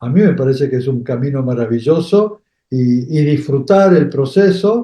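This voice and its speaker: A man speaks at a moderate pace in a dark, mellow tone. His voice is somewhat breathy, with lively intonation. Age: 70s. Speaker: spiritual teacher. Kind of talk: interview. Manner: halting.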